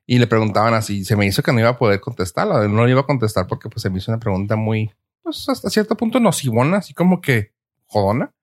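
A man with a northern Mexican accent hosting a casual podcast, telling animated stories and acting out other people's lines with crude slang. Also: medium pitch, fast talker. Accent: northern Mexican Spanish. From Ciudad Juárez, Mexico. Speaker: podcast host.

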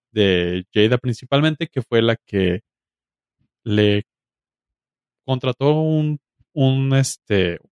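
A man's voice: on the low side, clean tone, dry recording. Mexican man chatting, very dry close sound. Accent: Mexican Spanish. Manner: colloquial, slangy, joking. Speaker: podcast host. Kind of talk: casual chat.

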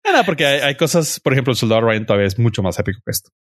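A man's voice: mid-range voice, animated, rapid-fire, no room sound. A young Mexican man talks over a podcast mic in a slangy, opinionated way. His voice sits in a middle range and the sound is dry and close. He gives his views firmly and holds his ground. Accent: Mexican Spanish. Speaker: podcast host. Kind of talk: casual chat reviewing a series.

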